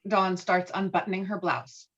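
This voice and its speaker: A woman's voice: on the low side, little pitch movement, moderate pace, muffled recording. A woman reading screenplay stage directions as scripted narration in a virtual table read.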